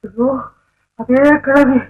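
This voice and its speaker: A man's voice: extremely high pitch, level tone, extremely slow, phone-quality sound, exaggerated voice. An actor playing a flustered middle-aged father in a 1960s film comedy, fussing and wailing. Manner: fussy, wailing exclamations. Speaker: father of the young man.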